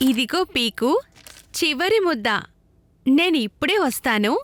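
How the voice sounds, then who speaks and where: A woman playing a calm, caring mother in a children's cartoon, speaking in a gentle, instructive manner. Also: sits high, measured pace, very noisy. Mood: reassuring.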